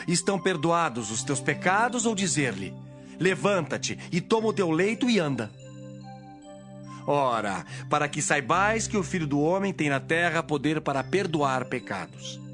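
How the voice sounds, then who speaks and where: Guy playing a solemn bible teacher, calm authority, declaiming, clear music underneath, really varied intonation. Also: a little high, a little slow. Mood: firm, challenging. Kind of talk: dramatized audio Bible acting.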